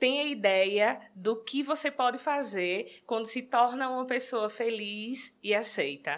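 A woman with a plain, everyday voice speaks at a fairly high pitch with lively intonation. Her pace is fairly slow, on a very clean recording with a silent background. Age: 30s. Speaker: hairdresser and salon owner. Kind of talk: interview.

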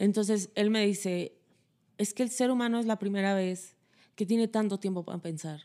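In a very clean recording with a silent background, a woman talks at a moderate pace and medium pitch, her dark, mellow voice keeping a fairly even intonation. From Mexico, Cancún (born Acapulco). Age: 30s. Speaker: stand-up comedian. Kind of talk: casual chat.

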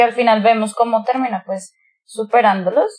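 At a moderate pace, a woman with a plain, everyday voice speaks with fairly even intonation. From Colombia. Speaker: podcast co-host. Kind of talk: casual chat.

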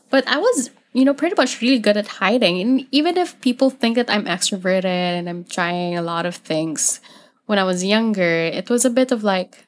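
A normal speaking voice at a moderate pace with ordinary pitch variation, on a very clean recording against a silent background. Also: woman. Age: 20s. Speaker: podcast host and entrepreneur. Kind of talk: solo podcast monologue. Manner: casual, with many fillers.

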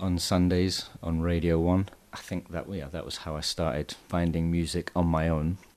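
A man speaks with an English accent. His pitch is very deep and low. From England. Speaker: DJ and technical writer. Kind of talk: casual chat. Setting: home studio in living room.

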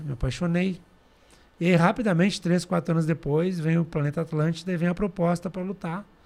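A very fast, high-pitched male voice. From Rio Grande do Sul, Brazil (Alegrete). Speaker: martial arts master. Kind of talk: podcast interview.

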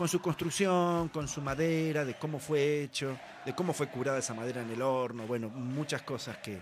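At a moderate pace, a man with a fairly high pitch uses an ordinary speaking voice and ordinary pitch variation. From Argentina, Santa Fe province. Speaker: music manager and former bassist. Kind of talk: casual interview chat.

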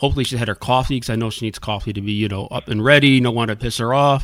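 A man with an American accent speaks at medium pitch. He has an unremarkable speaking voice and fairly even intonation. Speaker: podcast host. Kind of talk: casual interview chat.

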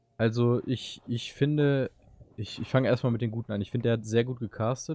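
A man speaks with a dark, mellow tone and fairly even intonation. The background is quiet. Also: dry, close sound with no echo. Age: 20s. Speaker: podcast co-host, teacher-training student and musician. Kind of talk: casual chat. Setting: indoor home studio. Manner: hesitant, many fillers.

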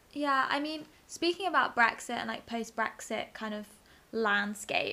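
Her fairly high voice has a bright, sharp tone and ordinary pitch variation as the woman speaks at a fairly slow pace. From England. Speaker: podcast co-host. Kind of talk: casual chat.

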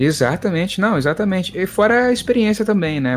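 The pace is fairly quick for this man. Very wide swings mark his pitch. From Tocantins, Brazil. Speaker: YouTuber. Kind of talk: casual chat.

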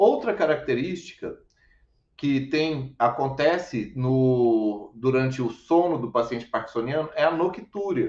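At a fairly slow pace, a man with a fairly high pitch and lively intonation talks in an ordinary speaking voice. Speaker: doctor, clinic director. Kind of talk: live-stream medical lecture with Q&A. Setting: live stream.

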